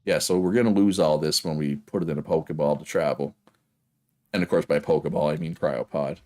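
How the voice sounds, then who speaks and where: A man's voice: extremely low pitch, steady tone, brisk, dark tone. A man with a Prince Edward Island Canadian accent chatting casually to viewers on a game livestream in a rambling way. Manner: rambling, often checks with "right?".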